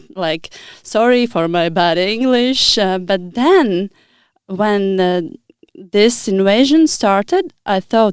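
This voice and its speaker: Speaking very slowly with a Latvian accent, a woman uses a medium pitch and lively intonation. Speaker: podcast host. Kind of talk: interview. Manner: halting.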